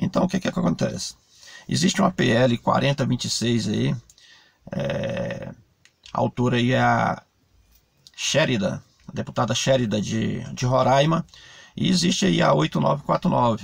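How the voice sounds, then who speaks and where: Speech unfolds at a very slow pace with long, frequent pauses over a quiet background. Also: man. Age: 50s. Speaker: retired bus driver, wheelchair user. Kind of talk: testimony. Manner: halting. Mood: earnest, concerned. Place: car. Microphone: phone near.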